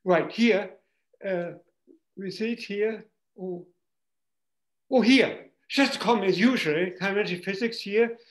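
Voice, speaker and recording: A man's voice: high voice, slow pace, long pauses. A man on a video call who speaks in short, clipped remarks and keeps repeating "here" and "right?". He sounds echoey, as if he is sitting in a bare room. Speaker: audience member asking questions. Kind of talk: questions during a video colloquium. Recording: roomy video call audio.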